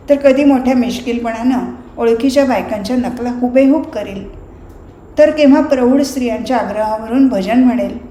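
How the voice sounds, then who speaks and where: A woman reading a novel aloud as narrator, in a measured, expressive storytelling manner. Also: on the high side. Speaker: reader. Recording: roomy recording, faint noise.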